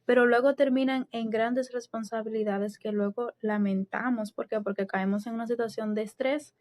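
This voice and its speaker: A woman's voice: fairly high pitch, steady tone, normal speed, darkish tone. A woman from the Dominican Republic with a Dominican Spanish accent, a co-host on a Christian podcast who speaks in a composed, earnest way. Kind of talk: casual Christian podcast chat.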